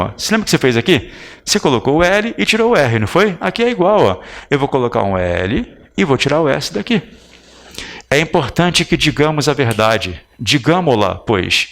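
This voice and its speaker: A man's voice: mid-range voice, fairly bright tone. A man with a Brazilian accent teaching Portuguese grammar in a recorded exam-prep lesson, chatty and coaxing, often checking that students follow. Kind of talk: recorded video lesson at a whiteboard.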